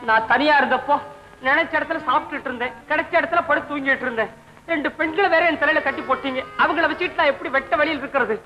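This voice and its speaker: An actor playing a fretful young bachelor in an old comedy film, wailing and self-pitying. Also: male voice, very high-pitched, quick pace, bright, forceful tone, soft background music. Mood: complaining. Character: fretful, whiny young bachelor man in a comic muddle. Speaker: comic lead in a black-and-white film. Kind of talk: 1960s Tamil film comedy acting. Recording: dull old film soundtrack.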